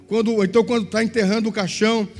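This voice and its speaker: Man, Southern Brazilian pastor, sermon, high voice, animated storytelling, long church reverb, faint music. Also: fast. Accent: Southern Brazilian Portuguese. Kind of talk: sermon with acted-out anecdotes. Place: large church hall.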